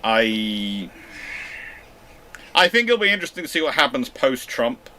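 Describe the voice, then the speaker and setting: Host, male, mid-pitched, live Q&A, hesitant and filler-heavy. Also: big pitch swings, measured pace, bright, forceful tone, a little hiss or hum. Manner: hesitant, many fillers and restarts. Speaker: naval history channel host. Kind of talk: live Q&A, reading and answering viewer questions.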